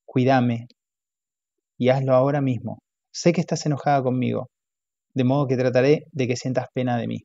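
A man's voice: medium pitch, fairly even intonation, moderate pace, vocal fry, mellow, dry recording. A man voicing a hungover alcoholic husband who wheedles and pities himself, in a dull, dry audiobook recording. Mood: self-pitying. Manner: wheedling, whiny.

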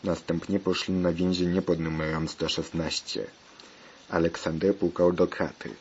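A man's voice: deep voice, fairly even intonation, moderate pace, a little mellow. A man reading a homemade story aloud in a plain, repetitive way, on a dull lo-fi recording with faint hiss.

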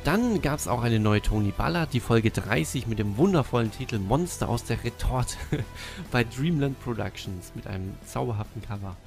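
Slightly gravelly man announcing over music. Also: mid-range voice, animated, moderate pace, darkish tone. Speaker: podcast co-host. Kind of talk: casual podcast announcements of new releases.

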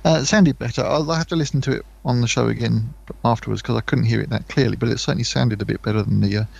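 Gravelly British man chatting casually. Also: medium pitch, steady tone, fast talker, darkish tone, highs cut off. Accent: British English. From United Kingdom. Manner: rambling, many fillers and restarts; mimics voices for anecdotes. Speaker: podcast co-host. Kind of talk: casual chat.

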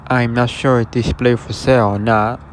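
This man's medium-pitched voice stays level at a moderate pace as he talks his viewers through a closed restaurant. He's a vlogger who checks out shut-down stores, speaking plainly outside a shopping center storefront while distant traffic hums faintly.

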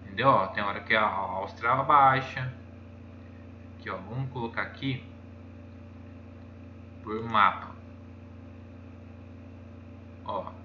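A man's voice: on the low side, measured pace, long pauses. A man with a Brazilian accent chatting casually while walking through charts on screen, rambling and pointing things out over and over. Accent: Brazilian Portuguese. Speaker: YouTuber. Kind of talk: casual screen-share commentary. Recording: echoey room, dull lo-fi sound, faint noise.

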